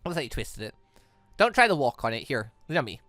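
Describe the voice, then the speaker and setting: A man voicing a calm, devoted young gentleman from a visual novel, gentle, earnest and reassuring. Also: mid-range voice, fast talker, dry recording, soft background music, pitched below the performer's own voice.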